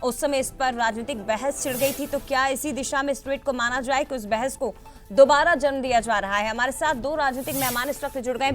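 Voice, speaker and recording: High-pitched woman news anchor. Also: a bit bright. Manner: questioning, presses guests.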